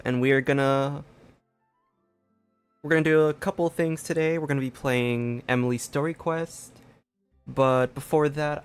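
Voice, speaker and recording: A man's voice: mid-range voice, clear, resonant tone. A man hosting a live gaming stream, chatting casually in a loose, rambling, hesitant way.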